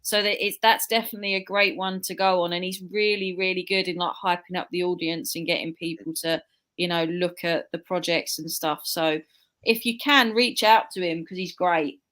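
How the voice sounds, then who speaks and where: A woman's voice: on the low side, fairly even intonation, moderate pace, a bit bright. A woman co-hosting a show, talking in a casual, conversational way. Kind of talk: casual chat.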